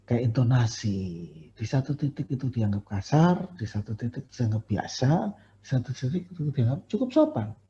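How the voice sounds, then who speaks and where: A man's voice: medium pitch, sing-song, moderate pace, dark tone, a little hiss or hum. A man lecturing on staff appraisal, conversational, with many fillers and self-corrections. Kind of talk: recorded university lecture. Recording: dull lo-fi recording.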